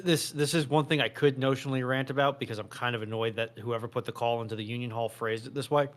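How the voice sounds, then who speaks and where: A man's voice: medium pitch, a bit bright. An American man chatting casually as a panelist, with a matter-of-fact, slightly grumbling way of talking. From United States. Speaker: panelist on a live show. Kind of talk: casual chat.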